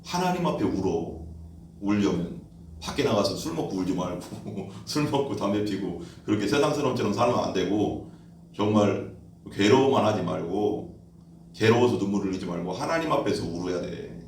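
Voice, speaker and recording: Low guy preaching, keeps asking questions, mic far off, big echo, faint room hum. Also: expressive, normal speed, darkish tone. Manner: conversational preaching, rhetorical questions, acts out quoted voices. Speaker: pastor. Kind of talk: sermon. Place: church hall.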